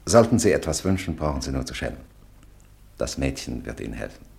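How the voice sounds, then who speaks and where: An actor playing a courteous, deferential French gentleman landlord in a radio drama, speaking formally and obligingly. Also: very deep voice, very animated, brisk, vocal fry, a little hiss or hum, exaggerated voice. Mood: courteous, soothing. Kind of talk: mid-century German radio drama acting.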